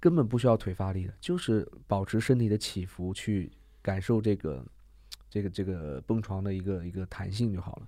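The recording is very clean with a silent background, carrying a man's fairly low, dark, mellow voice with ordinary pitch variation. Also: moderate pace. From Henan, China (Zhengzhou). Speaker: retired trampoline world champion. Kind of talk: casual interview.

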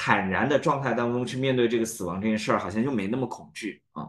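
Lively intonation colors a man's medium-pitched, unremarkable speaking voice. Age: 30s. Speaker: podcast host. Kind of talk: casual chat. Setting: hotel room in Hokkaido.

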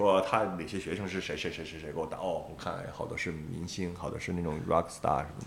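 A man with a very deep, low pitch speaks at a fairly quick pace with hardly any pauses and fairly even intonation, amid audible room echo. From Sichuan, Zigong. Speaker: metal band singer. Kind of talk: interview conversation.

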